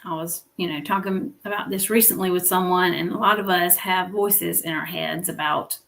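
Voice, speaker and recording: A woman's voice: lowish voice, fairly even intonation, normal speed, gravelly, a bit bright. A woman hosting a weekly business livestream, coaching viewers in an encouraging teaching style and often checking in with "okay?" and "right?".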